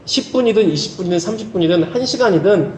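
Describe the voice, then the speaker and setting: High-voiced pastor preaching in a roomy church. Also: male voice, expressive, fast, darkish tone, a little hiss or hum. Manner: earnest, with folksy humorous asides. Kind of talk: sermon. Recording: roomy church hall, faint ambience.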